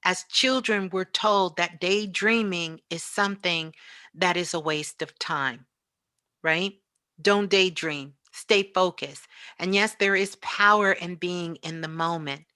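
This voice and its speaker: A woman's voice: fairly low pitch, takes it slowly, bright, forceful tone, no room sound, studio quality. A woman giving a spiritual motivational talk as a teacher, speaking emphatically and repeating phrases for effect.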